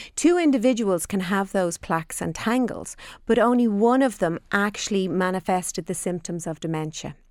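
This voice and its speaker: A woman with an Irish accent speaks at a moderate pace in a medium pitch with ordinary pitch variation, on a very clean recording with a silent background. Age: 50s. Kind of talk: radio interview.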